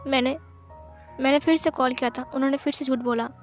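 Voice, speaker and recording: A woman's voice: high-pitched, fairly even intonation, fairly quick, soft background music, lightly acted. A woman voicing a caring, protective young man who coaxes and soothes, in a storybook reading. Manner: soothing, coaxing questions.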